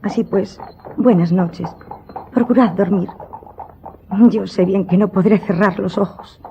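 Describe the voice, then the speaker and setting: A woman's voice: mid-range voice, steady tone, unhurried, gravelly, mellow, a little hiss or hum. A woman playing a superstitious, imperious countess in a radio drama, speaking in a formal, dramatic, insistent way. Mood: insistent, uneasy. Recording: dull recording with background music.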